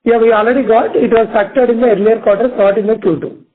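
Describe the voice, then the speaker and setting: A man's voice: very high-pitched, fairly even intonation, quick pace. A man with an Indian accent, a company finance executive answering analyst questions on a conference call. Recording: tinny narrow phone-line conference call.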